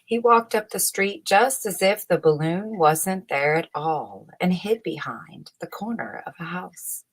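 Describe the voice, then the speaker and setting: Low-pitched, slow, husky woman storyteller. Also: animated. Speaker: storyteller reading a children's book aloud. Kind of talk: storybook narration.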